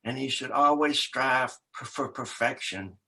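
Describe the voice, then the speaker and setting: A man's voice: medium pitch, measured pace, creaky. An older man, an author, telling a rambling story as an interview guest, often quoting others and laughing. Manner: rambling, animated storyteller with laughs and quoted voices.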